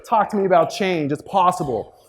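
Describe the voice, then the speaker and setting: A man giving a motivational keynote to an audience, telling stories in an animated, emphatic way and acting out dialogue. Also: high-pitched, a little fast, noisy background. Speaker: keynote speaker. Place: live talk before an audience.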